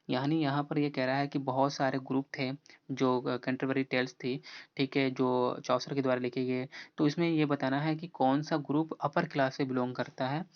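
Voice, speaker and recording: A teacher runs through a practice test at a mid-range pitch. They read each question slowly and carefully, then talk it through loosely, with fillers and a friendly "okay friend" each time. The recording sounds dull and lo-fi. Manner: reads English quiz questions slowly, then explains casually with many fillers; repeats "okay friend" and the answer option often. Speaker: exam-prep teacher. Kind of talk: online exam-prep lesson.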